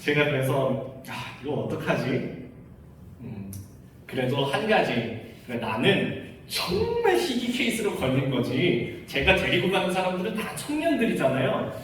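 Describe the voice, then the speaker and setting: A man's voice: fairly high pitch, huge pitch swings, unhurried, fairly bright tone. A man in his thirties, a pastor telling a personal story in a sermon with wry laughs. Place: church sanctuary. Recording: echoey church hall, distant mic, faint hiss.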